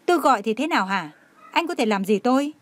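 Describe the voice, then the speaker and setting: Defiant tearful young heroine, woman reader, bright-pitched, dry read. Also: expressive, fast, no echo. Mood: defiant anger. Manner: indignant, pleading.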